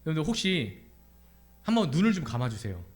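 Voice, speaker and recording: A young adult pastor preaches a Sunday sermon in a church sanctuary, asking his congregation question after question in an animated way. His voice is a little high, and he talks fast.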